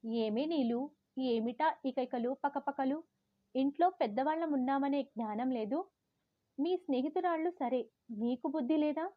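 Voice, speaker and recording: A woman's voice: fairly high pitch, unhurried, no room sound, lo-fi sound, natural voice. A woman voicing a strict but caring middle-aged mother who chides her eldest daughter. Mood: chiding. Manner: chiding, then soothing.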